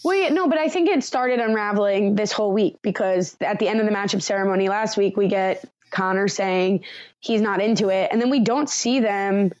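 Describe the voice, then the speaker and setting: A woman co-hosting a reality TV recap podcast in casual chat, laughing often and retelling scenes with animated quotes. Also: mid-range voice, fairly quick, no echo, highs cut off. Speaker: podcast co-host.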